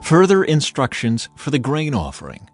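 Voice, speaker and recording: A man narrating scripture as a dramatized audio reading, with a solemn, measured and emphatic manner. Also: mid-range voice, wildly swooping pitch. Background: background music.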